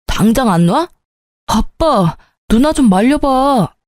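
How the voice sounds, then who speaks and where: A woman voicing a man, an angry husband scolding his older sister in a sharp way. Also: on the high side, animated, takes it slowly, dry recording, studio quality. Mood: alarmed. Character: angry younger brother, husband defending his wife.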